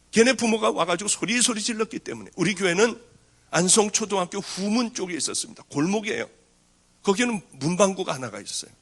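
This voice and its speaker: A middle-aged pastor gives a personal testimony, telling it as a story. His voice sits a little high for a man, and he slips into the voices of the people he quotes. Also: a bit bright. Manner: storytelling, acting out quoted speech. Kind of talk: testimony sermon.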